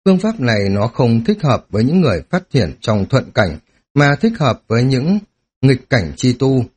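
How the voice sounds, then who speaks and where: A man voicing a young male cultivator who murmurs his thoughts in a measured, brooding way, read in an audiobook. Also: mid-range voice, sing-song, a little mellow, breathy edge. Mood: pondering. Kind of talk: audiobook character reading.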